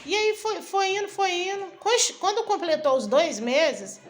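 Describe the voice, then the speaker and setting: A missionary and preacher shares her personal testimony in a chatty way, stringing events together and acting out the dialogue herself. Her voice is very high and sing-song, at a moderate pace.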